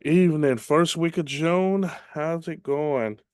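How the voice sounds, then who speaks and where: A man teaching an online class as a real estate trainer, his voice slightly raspy from much teaching, chatty and relaxed with many ums. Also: fairly high pitch, slow, no room sound, clean studio sound. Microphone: video call.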